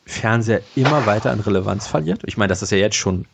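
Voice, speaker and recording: A man's voice: on the low side, animated, fast, gravelly, noisy background. A man in his late twenties co-hosting a podcast, chatting casually with lots of fillers and restarts. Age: late 20s. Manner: rambling, many fillers and restarts, laughs often. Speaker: podcast co-host. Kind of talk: casual chat.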